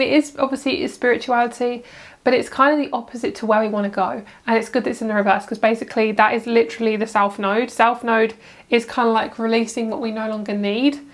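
A woman giving a casual tarot reading, chatty and rambling, breaking off into asides. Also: a little high. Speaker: tarot reader.

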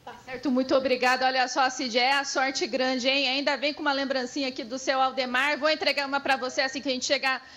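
A woman's voice: sits high, little pitch movement, fast talker, hardly any pauses, pushed and bright. A middle-aged woman, a field reporter, chatting in a friendly way live from a lottery shop on a handheld mic. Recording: muffled broadcast field audio.

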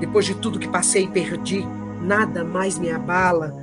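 A woman's voice: on the low side, steady tone, moderate pace, over loud music, natural voice. A Brazilian woman playing a weary, steadfast epic hero on a quest, earnest and questioning in an audio drama. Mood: resolute. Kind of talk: theatrical audio drama acting.

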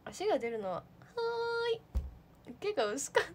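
A young woman in casual livestream chat, answering viewer comments in a fairly high voice that swoops up and down a lot. She is chatty and giggly, packs her talk with fillers and sounds relaxed and unscripted. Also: rapid-fire, a little hiss or hum. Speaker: idol trainee livestreamer.

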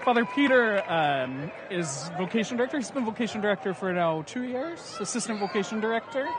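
A male seminarian doing live commentary at a basketball game, playful and quick to laugh at himself. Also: high voice, animated. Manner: playful, laughs often, self-deprecating. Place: school gym. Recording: loud crowd and gym noise.

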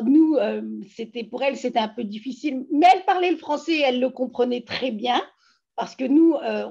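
A woman in her fifties from France, telling her life story animatedly in a casual video-call interview from home. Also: fairly high pitch. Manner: animated, emphatic storytelling with many fillers. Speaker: interviewee, feminist activist. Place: home living room. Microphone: laptop webcam mic on video call. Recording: dull lo-fi video call audio.

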